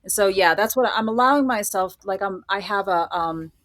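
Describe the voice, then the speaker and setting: A woman's voice: mid-range voice, normal speed, fairly bright tone, no echo. A woman speaking as a guest in a casual interview, reflective and articulate in an informal way. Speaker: guest, horror fiction writer.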